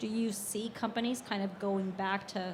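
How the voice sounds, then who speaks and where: A woman's somewhat breathy voice with monotone, flat intonation. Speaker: audience member asking a question. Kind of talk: audience question.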